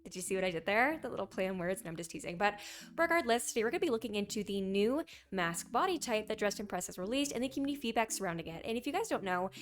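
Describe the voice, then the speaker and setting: A young woman with a hoarse, raspy voice from a sore throat, chatting casually as a gaming news commentator and reading posts aloud. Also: mid-range voice, animated, very fast.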